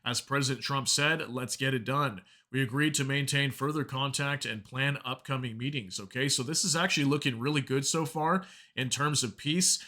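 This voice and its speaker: A man's voice: medium pitch, normal speed, sharp tone. A man hosting an informal news commentary, explaining reports and reading out statements in a conversational way. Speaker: news commentary channel host.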